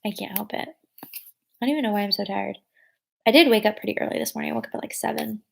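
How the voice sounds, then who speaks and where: A woman's voice: a little high, racing, vocal fry. A young adult woman chatting casually to her viewers, rambling with lots of fillers and correcting herself as she goes. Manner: thinks aloud and corrects herself. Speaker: vlogger answering viewer comments. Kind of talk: casual live chat.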